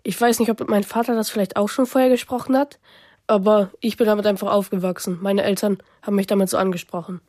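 A man's voice: high-pitched, level tone, fast talker, a little mellow, dry recording. A young man with a northern German accent, a radio drama voice actor, answering matter-of-factly as a studio guest. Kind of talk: casual interview answers.

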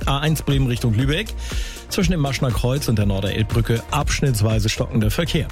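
A male morning radio host talking in a loose, chatty way with filler sounds and short laughs. His voice sits at an ordinary middle pitch. A faint music bed plays underneath. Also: a little mellow. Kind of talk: casual radio moderation and traffic report.

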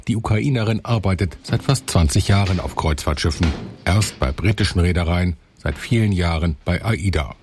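A man reading scripted voice-over narration for a documentary report in a calm, measured way. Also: low-pitched, noisy background.

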